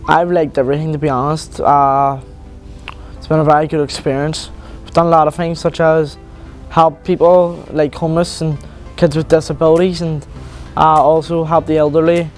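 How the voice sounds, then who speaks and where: Young belfast guy, kinda high voice, stops and starts a lot, soft music under him. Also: little pitch movement. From Northern Ireland. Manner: hesitant, halting with fillers. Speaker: visiting student interviewee. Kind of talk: interview answers.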